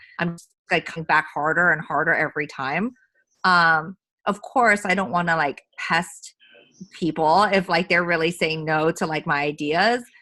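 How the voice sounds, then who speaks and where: Against a quiet background, a woman with a Southern Californian accent speaks at a moderate pace and fairly low pitch, her tone warm yet bright and sharp. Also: ordinary pitch variation. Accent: Valley Girl. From US West Coast, Sacramento. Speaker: tech executive and investor. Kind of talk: panel Q&A talk. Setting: video call. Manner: warm, upspeak-like intonation; casual, many filler words.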